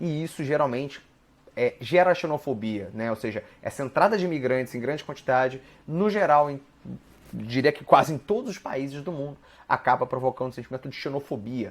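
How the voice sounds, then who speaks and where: Loudness swings widely as a man talks at a fairly quick pace, his pitch fairly high with ordinary variation. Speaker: school teacher. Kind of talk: recorded lesson. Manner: fast; hesitant fillers.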